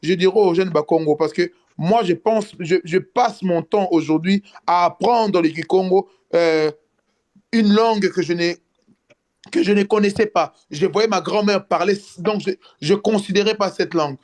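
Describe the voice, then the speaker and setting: A man speaking as a guest in a casual live video chat, earnest and halting, with many restarts. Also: high voice, darkish tone. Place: in France.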